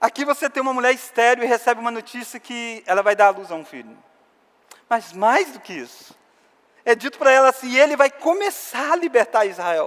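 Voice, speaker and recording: Talking at a fairly quick pace, a man uses an extremely high pitch and lively intonation. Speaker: pastor. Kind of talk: church sermon.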